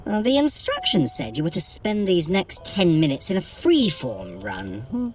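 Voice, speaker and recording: A woman's voice: on the low side, wildly swooping pitch, moderate pace, darkish tone. A woman playing a sly, haughty trickster deity in an audio adventure workout, with an arch, droll, condescending delivery. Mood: dry, bemused. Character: sly, haughty trickster deity guiding a mortal through a heist. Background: music.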